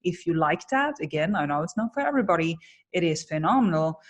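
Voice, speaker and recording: The audio is dull, but you can hear a fast-talking woman with a lowish voice. She's a German business coach specializing in personal branding, appearing as an interview guest and giving energetic, candid, emphatic answers full of stories.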